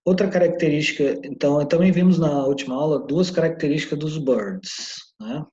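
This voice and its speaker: A male teacher walks his students through an English lesson. He explains step by step and keeps checking in with them. His voice is mellow and dark, and the recording sounds muffled and lo-fi. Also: on the high side, moderate pace.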